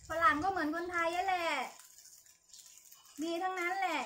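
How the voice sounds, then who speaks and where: A woman's voice: very high-pitched, fairly even intonation, normal speed, pushed and bright. A middle-aged woman chatting casually to viewers outdoors as she eats. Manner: talking while eating. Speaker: vlogger. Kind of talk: casual chat to viewers over a meal. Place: outdoor patio at a meal table beside an electric grill. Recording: noisy outdoor recording with sizzling grill.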